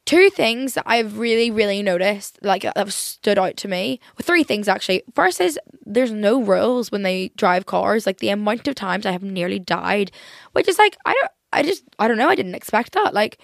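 A young woman with a softened Northern Irish accent, chatting casually in a rambling, exaggerating way as a podcast host. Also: mid-range voice, expressive, moderate pace, gravelly, no room sound, clean studio sound. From Northern Ireland. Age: young adult.

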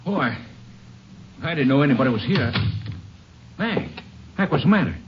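An actor playing a sly, nervous farmhand feigning innocence in a 1950s western radio drama. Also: male voice, fairly high pitch, expressive, moderate pace, lightly acted. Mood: uneasy, startled. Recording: muffled, noisy 1950s radio recording.

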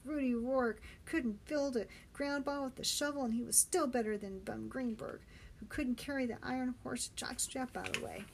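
A woman voicing a gruff, bossy, teasing man with a hoarse voice and slangy, needling orders, in a story reading. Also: high-pitched, moderate pace, a little hiss or hum, pitched above the performer's own voice, poor audio. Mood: goading, urgent.

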